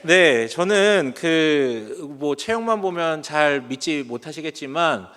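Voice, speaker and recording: Speaking slowly and with animation, a man in his forties uses a fairly high, slightly bright voice. As a pastor, he delivers a conversational, self-deprecating sermon with humorous storytelling, recorded with the long reverb of a church sanctuary.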